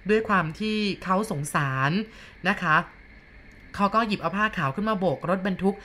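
A woman narrating a ghost story in a polite, steady way, often softening her sentences. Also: mid-range voice, moderate pace, slight background noise.

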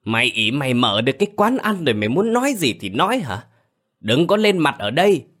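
A man's voice: on the low side, lively intonation, normal speed, bright, forceful tone, breathy edge, heavily acted. A man voicing a furious drunken husband who roars threats in a slurred voice. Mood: slurred angry.

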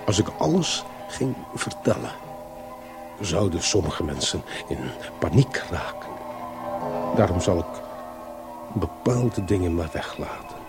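Solemn, slow male storyteller. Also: sits low, big pitch swings, loud music behind the voice, exaggerated voice. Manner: measured, solemn. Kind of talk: scripted dramatic radio narration.

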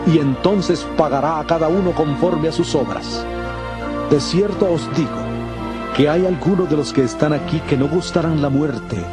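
Male actor, authoritative holy teacher, solemn declamation, slightly high male pitch, audio Bible drama, clear musical backing. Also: moderate pace, over loud music, close to an everyday voice.

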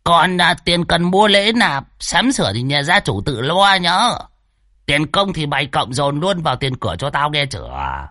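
A greedy old shaman who cackles and schemes for money, as a male storyteller puts him on. His voice sits high and swings around, and he talks in a sly, mocking way. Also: very animated, moderate pace, pushed and bright, no echo, studio quality. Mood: scheming.

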